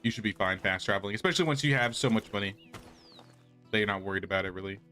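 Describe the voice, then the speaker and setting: A man's voice: fairly low pitch, racing, bright, forceful tone. A man giving casual, rambling gameplay commentary as a streamer, thinking aloud as he goes. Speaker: game streamer. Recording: game music behind. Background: game music.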